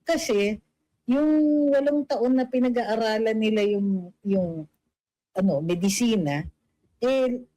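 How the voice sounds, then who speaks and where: A woman's voice: fairly high pitch, takes it slowly, long pauses, warm tone, no room sound, rough recording. A middle-aged woman giving casual political commentary and reading viewer comments aloud, chatty, with many fillers and English mixed in. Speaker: political vlogger.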